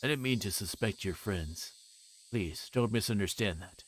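Man playing bulky police detective, low pitch, unpleasantly polite, insistent, visual novel game. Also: moderate pace, slight background noise, natural voice. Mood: politely insistent.

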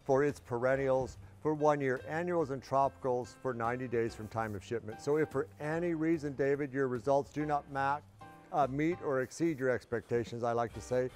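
Mid-pitched man demonstrating products. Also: moderate pace, darkish tone, faint music behind. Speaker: product expert guest on home shopping show. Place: TV studio kitchen set.

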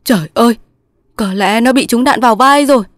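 A woman voicing a young male resistance soldier, pleading in loud sobbing outbursts in a storybook reading. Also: a little high, a little fast, dry recording, clean studio sound, voice pushed up, lightly acted. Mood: grieving.

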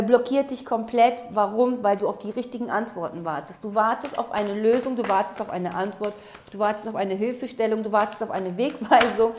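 A woman with a hoarse voice after a cold gives a tarot reading. She speaks straight to the viewer in a coaxing way and repeats herself often. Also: on the high side, a little hiss or hum. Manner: repetitive, coaxing, addresses viewer directly. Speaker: tarot reader. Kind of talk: interactive tarot reading to camera. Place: room at a table with candles.

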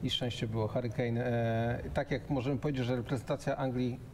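Brief: male studio host, thirties, monotone chatty delivery, faint hum behind. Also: mid-range voice, brisk. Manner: conversational, with fillers. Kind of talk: studio sports talk show.

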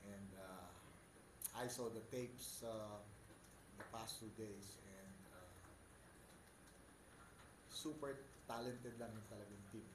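An older man with a Filipino accent, answering as head coach at a postgame press conference, switching between English and Tagalog and pausing often. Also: lowish voice. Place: press room with sponsor backdrop. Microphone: table mic on stand. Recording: echoey room with background noise.

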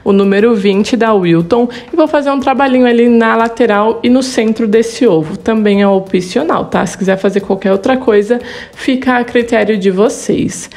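A Brazilian woman in her thirties hosts a home cooking tutorial with a slightly high voice. She explains each step in a friendly, chatty way and checks in with her viewers as she goes. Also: normal speed, a little mellow. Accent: Brazilian Portuguese. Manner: friendly, chatty, repeats "tá bom?". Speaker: cooking channel host. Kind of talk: recipe tutorial with voice-over. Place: home kitchen studio for the intro.

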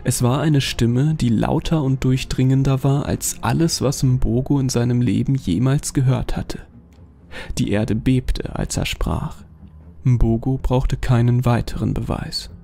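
A man narrating a scripted horror story in a measured, steady way. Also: medium pitch, creaky. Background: faint music.

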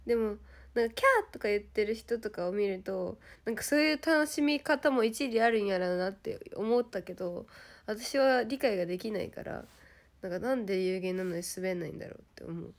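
A young woman with a Kansai accent, chatting casually with viewers on a livestream, giggly and quick to act out past exclamations. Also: mid-range voice, expressive. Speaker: idol streamer.

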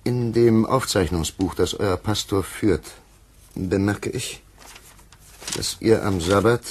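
An actor playing a stern, earnest Puritan clergyman in a German radio play, questioning in a formal, deliberate way. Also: sits low, a little hiss or hum. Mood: stern, probing.

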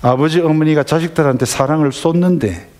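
A man's voice: fairly high pitch, brisk, darkish tone. Man lecturing parents. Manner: conversational, acts out family dialogues, asks audience questions.

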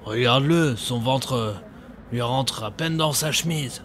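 An actor playing a cryptic French taxi driver in a radio drama, with a French accent and halting, searching speech. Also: male voice, mid-range voice, heavy background noise, close to an everyday voice. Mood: helpful, cryptic. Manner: halting English with searching pauses.

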